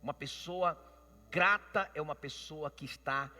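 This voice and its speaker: Bright-voiced Brazilian pastor preaching. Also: male voice, on the high side, measured pace, soft background music. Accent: Brazilian Portuguese. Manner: emphatic, calls out to the congregation. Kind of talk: sermon. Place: church. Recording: long church reverb.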